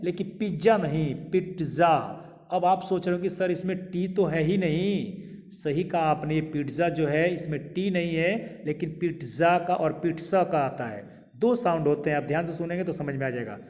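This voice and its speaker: A man teaching English pronunciation to viewers, repeating each word slowly and quizzing them with questions. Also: a little high, a little mellow. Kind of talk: pronunciation lesson to camera. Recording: long hall reverb.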